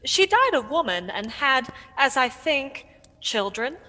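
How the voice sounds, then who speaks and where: A woman voicing a solemn guiding spirit in a radio play, measured and formal, in a long reverb. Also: sits high, big pitch swings, sharp tone, full character voice. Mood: gently reproving. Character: Ghost of Christmas Past, solemn guiding spirit. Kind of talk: dramatic radio play acting. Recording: long cavernous reverb, faint background noise.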